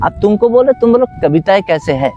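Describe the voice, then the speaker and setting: A man who teaches dance talks in a high, wide-ranging voice, switching into little acted scenes as he makes his point. He speaks outdoors in a philosophical conversation, with faint music behind him. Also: brisk, lo-fi sound. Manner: animated, acts out little scenes in other voices. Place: outdoors under a tree.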